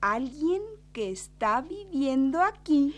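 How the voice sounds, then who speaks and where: A woman's voice: high voice, very animated, slow pace, exaggerated voice. Nosy teasing young woman played by an actress. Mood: playful. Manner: playful, mocking, teasing.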